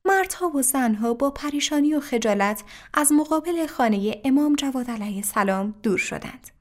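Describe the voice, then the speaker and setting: A woman narrating a religious story in an even, careful reading voice. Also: high-pitched.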